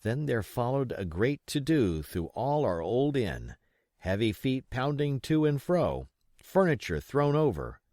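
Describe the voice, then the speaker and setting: Expressive male audiobook narrator, dry sound. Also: medium pitch, unhurried, no room sound. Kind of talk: scripted narration of an adventure novel.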